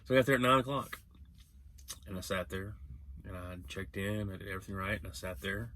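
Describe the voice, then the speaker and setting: A man's voice: deep voice, fairly even intonation, a little fast, sharp tone. A man talking casually as a truck-driving vlogger, rambling and correcting himself as he gives earnest advice. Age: young adult. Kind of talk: casual vlog monologue.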